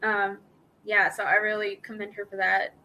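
A woman guest on a podcast, chatting and gushing warmly about her friends' cosplays. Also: medium pitch, little pitch movement, highs cut off, slight background noise. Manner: gushing, chatty, quick laughs. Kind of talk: casual podcast chat.

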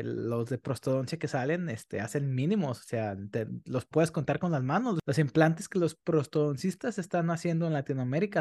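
A man's voice: fairly high pitch, a little mellow. A man hosting a podcast, asking chatty, rambling questions. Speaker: podcast host. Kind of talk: casual interview.

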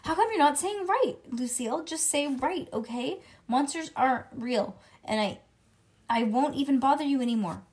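A woman voicing an excitable, pushy little schoolgirl who talks in insistent, rambling bursts. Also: a little high, moderate pace, pitched above the performer's own voice, natural voice.

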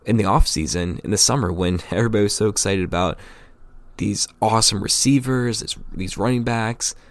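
A male podcast host getting over a cold, his voice a little raspy, talking casually and rambling through his fan opinions with plenty of fillers. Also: on the low side, brisk, no echo. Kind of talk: solo sports podcast talk.

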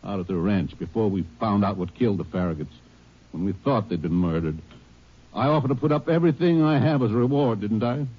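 Old muffled radio western: defensive shopkeeper, husky, argumentative, indignant. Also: male voice, on the low side, animated, fairly quick. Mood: defensive, aggrieved. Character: defensive, belligerent hardware store owner under suspicion. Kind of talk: 1950s radio drama acting.

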